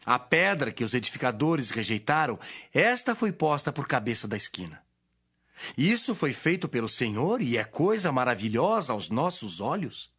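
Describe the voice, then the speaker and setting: A Brazilian man playing an authoritative teacher, measured and declamatory, in a dramatized audio Bible. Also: medium pitch, sing-song, fairly bright tone, slightly rough, exaggerated voice. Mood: authoritative teaching.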